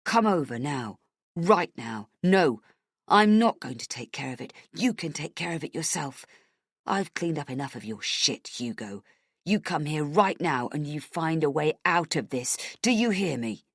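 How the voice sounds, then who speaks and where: A woman voicing a menacing older male police chief who taunts in a low, hushed voice. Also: expressive, unhurried, no room sound, clean studio sound, full character voice. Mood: hissing. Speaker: voice acted by audiobook narrator.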